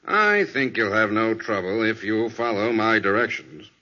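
Careful businessman: courteous, precise, bright tone, vintage 1940s radio crime drama sound. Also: fairly low pitch, measured pace, muffled recording. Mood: polite, cautioning. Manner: formal, precise, polite. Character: courteous, careful male store owner.

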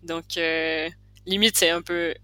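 A woman with a lightly worn Québécois accent talks as a podcast guest, her tone bright and forceful. She thinks aloud, restarting phrases while she hunts for the right word. The sound is close and dry. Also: lowish voice, level tone, slow, clean tone, no echo. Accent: Québécois, partly softened. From Quebec. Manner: thoughtful, restarts her sentences while searching for words. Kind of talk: casual podcast chat.

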